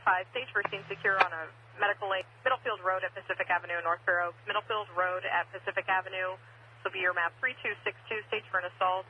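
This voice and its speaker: An emergency dispatcher reads out calls over a two-way radio. The speech is rapid, clipped and procedural. The channel sounds dull and extremely noisy. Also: mid-range voice, steady tone.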